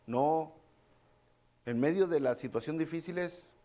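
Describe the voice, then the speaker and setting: A man's voice: fairly high pitch, unhurried, warm tone. A man preaching a casual, conversational sermon, repeating key phrases and calling his listeners brother. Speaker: pastor.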